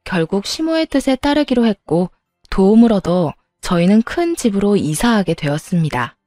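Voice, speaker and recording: A woman narrates a family story in a calm, even way. Her voice is mellow and soft-edged. The recording is dry and close. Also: mid-range voice, moderate pace, dry recording, faint music behind. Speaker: narrator, younger daughter-in-law.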